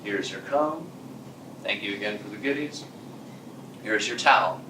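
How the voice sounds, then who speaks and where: A man voicing a helpful hungry black cat that speaks in a low hurried whisper. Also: background noise, natural voice. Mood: hushed. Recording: echoey room, mic far off.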